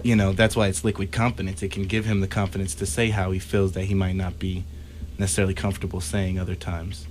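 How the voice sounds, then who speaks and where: Male talk-radio host, fairly low register, chatty and explanatory, slight background hum. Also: level tone, fast, a little mellow. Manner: conversational, explanatory, says "like" often. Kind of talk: casual talk radio chat.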